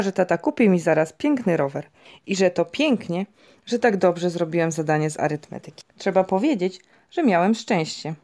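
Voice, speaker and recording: A woman narrating a children's storybook audiobook in a lively, expressive way. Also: lowish voice. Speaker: audiobook reader.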